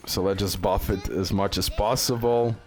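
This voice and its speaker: Low-voiced man commentating gameplay. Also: steady tone, moderate pace, darkish tone, soft background music. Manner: repeats words and phrases. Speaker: gaming video creator.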